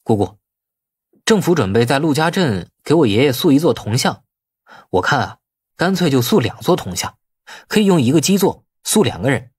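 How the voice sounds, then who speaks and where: A man's voice: medium pitch, very animated, moderate pace, darkish tone, slightly rough, no echo. A man voicing a wily, outwardly deferential nephew in an audiobook, glib and colloquial in his arguing. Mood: ingratiating. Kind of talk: audiobook character acting.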